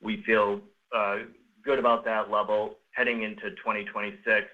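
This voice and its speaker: A man speaking as a finance executive, answering questions on an earnings call in halting phrases. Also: fairly low pitch, level tone. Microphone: conference call line. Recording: narrow, muffled phone-line conference call.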